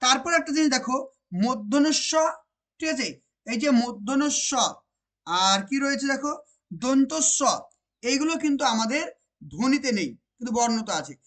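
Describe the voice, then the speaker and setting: A woman's voice: high-pitched, fairly bright tone. West Bengali woman teaching, repeating and quizzing. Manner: repeats points and asks rhetorical check questions; slows down to stress key phrases. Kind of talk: exam-prep grammar lesson.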